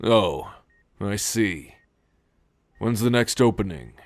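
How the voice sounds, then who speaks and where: Man playing a brisk, low-voiced character. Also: animated, no echo. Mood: businesslike. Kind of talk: scripted audio drama acting.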